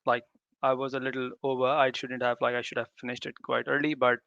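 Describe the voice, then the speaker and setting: In a fast, flat delivery with vocal fry and a sharp edge, a mid-range male voice runs an informal live tech demo for developers. He's a native Urdu speaker who often repeats and rephrases, and the audio is dull without any echo.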